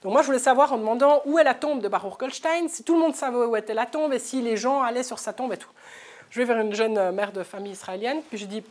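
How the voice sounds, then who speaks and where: A woman in her thirties with a Swiss French accent, giving a talk and telling anecdotes in a lively way, often laughing. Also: fairly high pitch. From Switzerland. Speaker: journalist speaker. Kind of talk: lecture storytelling. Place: lecture hall, live audience.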